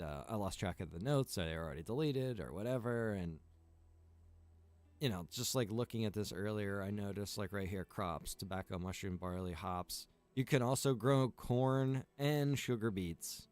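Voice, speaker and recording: A man's voice: fairly low pitch, normal speed, darkish tone, clean tone. A man who runs and develops a game server, chatting casually on a livestream, rambling with lots of fillers and listing features one by one.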